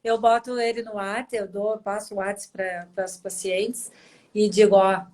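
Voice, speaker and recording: Over a video call, this Brazilian host in her forties recounts personal stories emotionally, warm and chatty in manner. Her medium-pitched voice keeps a level tone and an unhurried pace, carrying a Brazilian Portuguese accent.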